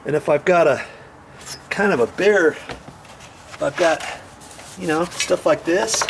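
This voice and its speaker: Slow-talking man, folksy DIY host, noisy recording. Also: a little high. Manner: folksy, rambling, asks and answers own questions. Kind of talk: casual hands-on tutorial talk. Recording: noisy, tool rasping and scraping sounds.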